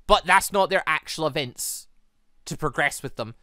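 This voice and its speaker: A gaming host giving casual, rambling commentary in an excitable, conversational way. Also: medium pitch, normal speed, no room sound, clean studio sound.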